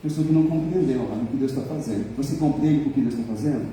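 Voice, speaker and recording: Joking Mineiro pastor in an echoey church. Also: male voice, medium pitch, quick pace, mellow. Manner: joking, teasing the congregation, mimicking people. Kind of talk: humorous sermon. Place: church hall. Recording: echoey hall from a distant mic.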